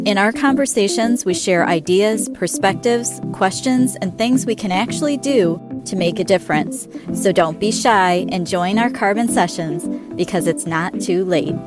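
Woman welcoming listeners over music. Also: medium pitch. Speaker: podcast host. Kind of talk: scripted podcast intro.

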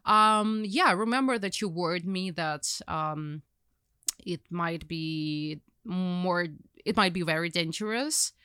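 A young woman with a Ukrainian accent, a journalist appearing as a guest, tells her story in casual conversation, rambling with many fillers and restarts. Her lowish voice is sharp and clean, delivered slowly, and the recording has clean studio sound with no room echo.

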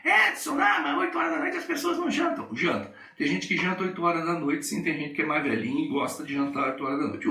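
A middle-aged man with a Brazilian Portuguese accent tells a workplace story on his coaching podcast, acting out each person in it. His voice is bright and swings widely in pitch. He sits a little back from the mic in an echoey room. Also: far from the mic. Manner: animated, acts out the people in his stories. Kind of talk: storytelling monologue.

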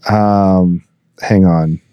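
A man's voice: deep voice, steady tone, drawn-out words, smooth, dry recording, highs cut off. Giggly man chatting loosely, dry sound. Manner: laughs often, rambling with fillers. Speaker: podcast co-host. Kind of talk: casual chat.

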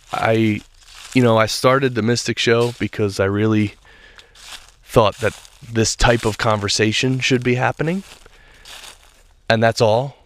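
A man with a voice on the low side, a little stuffed up and nasal, hosts a solo spiritual podcast while walking outdoors in a state park. He talks earnestly and reflectively in a loose way, restarting sentences, with a faint hiss or hum in the recording.

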